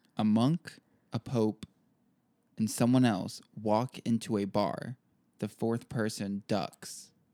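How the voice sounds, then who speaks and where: A dark, mellow voice speaks at a very slow pace with fairly even intonation and long, frequent pauses, the sound dry and close with no echo on a very clean recording with a silent background. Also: man, fairly low pitch for a man. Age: 20s. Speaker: podcast co-host, barista. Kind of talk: casual chat.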